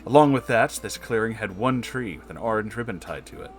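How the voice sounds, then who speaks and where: A man's voice: lowish voice, animated, a little fast. A man narrating a comedic story in a dramatic, theatrical way.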